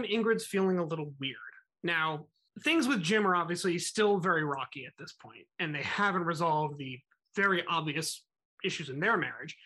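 A podcast co-host recounts a music history story in an easy, talky style. The voice sits at a middle pitch and slips into short acted-out quotes with many "uh"s and "you know"s. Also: pushed and bright. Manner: conversational, acts out quotes, filler-heavy. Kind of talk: casual storytelling chat.

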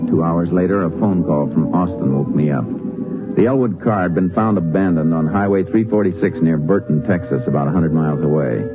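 Deep-voiced 1950s radio Texas Ranger actor. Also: male voice, fairly quick, natural voice. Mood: narrating. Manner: terse, methodical, matter-of-fact questioning. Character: steady Texas Ranger investigator and narrator. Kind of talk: 1950s radio drama acting. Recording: dull old 1950s radio recording, music.

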